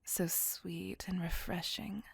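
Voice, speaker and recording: A woman voicing a possessive, devoted female vampire on a date, speaking in a soft, close, apologetic and doting whisper. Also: on the low side, flat delivery, takes it slowly, gravelly, husky, dry recording, heavily acted. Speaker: voice actor. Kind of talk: ASMR roleplay whispering.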